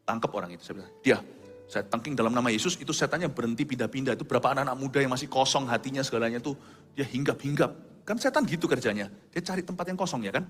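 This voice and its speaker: A middle-aged male pastor telling a testimony in a sermon, with vivid storytelling and sudden quiet asides. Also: medium pitch, expressive, rapid-fire. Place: large church hall. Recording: reverberant church hall, soft music behind.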